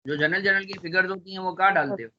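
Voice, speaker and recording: A man with a high, bright voice teaches accounting to a class. He has a sore throat and keeps quizzing his students with playful repeated questions. The recording sounds dull and lo-fi. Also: quick pace.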